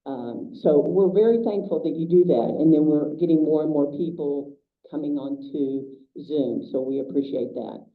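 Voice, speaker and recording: Woman host, loud, hesitant, lots of ums; tinny distant room sound. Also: low-pitched, normal speed, hardly any pauses. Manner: chatty, hesitant with many fillers. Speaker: meeting host. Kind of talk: casual announcements to a small group. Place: meeting room. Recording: tinny, echoey, from far off.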